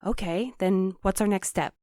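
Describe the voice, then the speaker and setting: A woman playing an earnest, cautious, gently optimistic mail courier in an audio drama. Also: medium pitch, moderate pace, no room sound, studio quality, close to an everyday voice. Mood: earnest, hopeful. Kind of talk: naturalistic audio drama acting.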